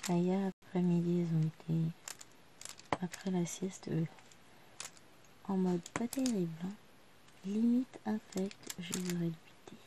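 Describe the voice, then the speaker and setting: In her living room at home, a woman in her thirties talks casually and quietly to the camera while crafting, chatty as she works. Her voice is mid-range, and slight background noise is audible.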